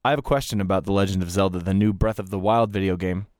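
Man, podcast host, relaxed, hesitant, fillers, dry close sound. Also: deep voice, fast talker, dry recording, faint music behind. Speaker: podcast host and discussion facilitator. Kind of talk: casual chat.

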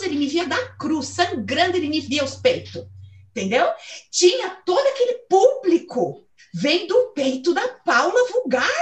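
A woman in her thirties with a Brazilian accent, giving a blunt, animated motivational talk and swearing freely. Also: extremely high pitch, roomy sound. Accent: Brazilian Portuguese. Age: 30s. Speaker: host and coach.

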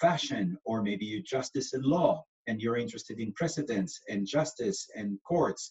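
A man's voice: mid-range voice, animated, fairly quick, a little mellow, lo-fi sound. A man from Israel with an Israeli accent, explaining things patiently in an interview, with lots of fillers. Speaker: astrologer guest.

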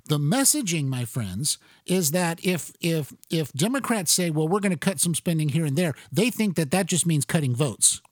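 A man's voice: a little high, dry recording, clean studio sound. A man hosting a political talk show, chatting in a sarcastic, conversational way with many fillers and restarts. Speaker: talk radio host.

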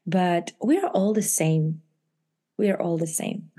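A woman from Israel with an Israeli accent, an author talking animatedly about her book in an interview, often laughing and jumping higher for emphasis. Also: expressive, a little slow, warm tone. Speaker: author guest. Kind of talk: interview chat.

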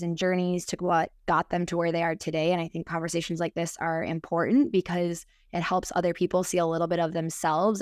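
Woman, thirty-two, Midwestern American accent, crisp resonant voice, dry recording, earnest, casual, peppered with "like". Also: fairly low pitch, dry recording. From Minnesota, United States. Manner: earnest, filler-heavy with frequent "like". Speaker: podcast guest, sober group leader. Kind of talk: casual personal reflection in conversation.

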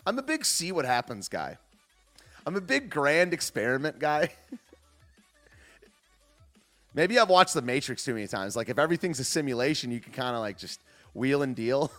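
He's a livestream host whose voice runs on the high side with a fairly bright tone. Reading chat and commenting on clips, he jokes around loosely, drifting off mid-thought and picking back up.

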